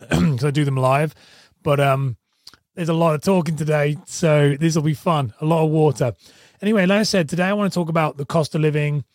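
A man hosting a solo podcast, his voice hoarse and strained, talking in a chatty, rambling way and correcting himself often. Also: on the high side, a little mellow, no room sound, studio quality. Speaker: podcast host. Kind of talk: casual solo podcast talk.

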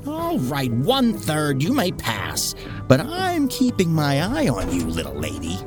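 A man voicing a gruff, grasping, suspicious palace guard who blusters and bullies in a storybook tale. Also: a little high, huge pitch swings, measured pace, over music, voice pushed up.

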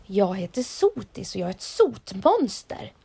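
A woman's voice: medium pitch, very animated, creaky, warm tone, slightly rough, exaggerated voice. A woman voicing a small black soot monster in a storybook reading, chatty and explaining itself.

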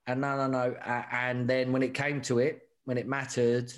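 A man's voice: mid-range voice, normal speed. Chatty man telling stories. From England. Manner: animated, repeats words and restarts, says "mate". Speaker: rugby sevens coach, guest. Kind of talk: candid conversational storytelling.

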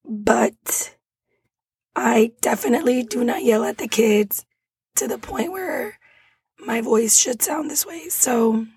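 A young woman hosting her podcast with a raspy, hoarse voice that keeps slipping into whispers, speaking apologetically. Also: on the high side, a little mellow, dry recording. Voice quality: raspy, strained voice. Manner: apologetic, drifts into breathy whispers. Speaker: podcast host. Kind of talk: casual solo podcast chat.

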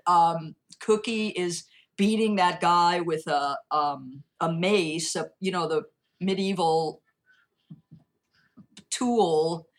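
A woman's voice: fairly low pitch, slow. A woman guest on a film podcast, chatty and rambling, laughing between her thoughts. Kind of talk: casual film discussion.

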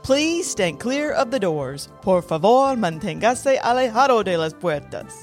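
A woman putting on a measured, slow-paced train station announcer voice during a podcast. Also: medium pitch, sing-song, soft background music, voice pushed up. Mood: announcing. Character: calm slow station-platform announcer, bilingual. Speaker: co-host.

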